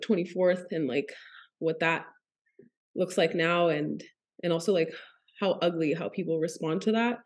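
A woman's voice: low voice, a little mellow. A woman, a guest on a podcast, talking casually and emotionally, often searching for her words.

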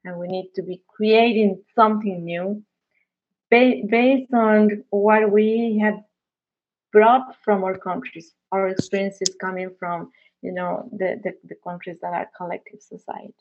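A woman's voice: mid-range voice, fairly even intonation, measured pace. Earnest woman from Ecuador, lo-fi. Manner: earnest, frequent restarts and fillers. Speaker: interviewee. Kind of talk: conversational interview. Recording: muffled, lo-fi recording.

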